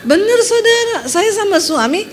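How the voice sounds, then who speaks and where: A woman pastor, preaching a sermon as lively, humorous storytelling that swings between loud and hushed. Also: very high voice, normal speed, a little hiss or hum. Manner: addresses the congregation often.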